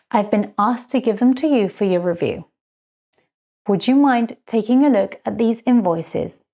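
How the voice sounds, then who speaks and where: A woman teaching business English in an online lesson, slowly modelling phrases for learners. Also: a little high, a little mellow.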